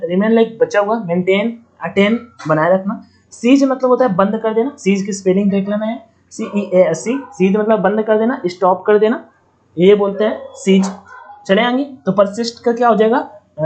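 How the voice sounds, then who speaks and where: A man's voice: high-pitched, normal speed, a little mellow, muffled recording. A man giving a casual online vocabulary lesson for exam students. He explains words with joking memory tricks and talks to viewers like a friendly older brother.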